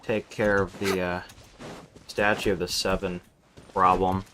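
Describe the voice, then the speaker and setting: A man doing casual, unscripted game commentary on a stream, thinking out loud and swearing freely. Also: sits low, level tone, unhurried, noisy background.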